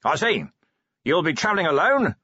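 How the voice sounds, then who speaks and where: A man voicing a loud, booming, jovial old wizard who runs a university, hearty and exclamatory in an audiobook. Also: big pitch swings, moderate pace, slightly rough, no echo, lo-fi sound, exaggerated voice. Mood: intrigued, hearty.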